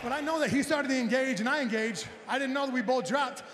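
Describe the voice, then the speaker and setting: A man's voice: very high-pitched, quick pace. A man in his thirties with an American accent, a fighter talking casually in a post-fight interview. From United States. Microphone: handheld interview microphone. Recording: echoey arena, loud crowd noise.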